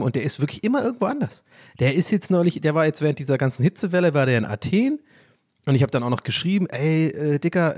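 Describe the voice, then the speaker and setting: A man's voice: medium pitch, darkish tone. A young man hosting a casual solo podcast, rambling and self-mocking with jokey asides. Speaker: podcast host.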